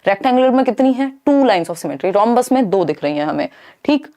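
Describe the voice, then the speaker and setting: A woman's voice: a little high, animated, fairly quick, warm tone. A young Indian woman giving an exam-prep lecture, explaining in Hindi with English terms and answering her own questions. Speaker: teacher.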